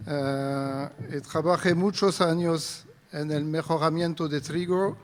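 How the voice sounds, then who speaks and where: A man's voice: on the high side, steady tone, slow, slight background noise. A middle-aged man with a French accent, speaking Spanish as a second language and giving a careful, hesitant conference talk. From France. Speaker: invited speaker, wheat breeder. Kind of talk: conference presentation. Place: conference hall. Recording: long reverb of a large hall.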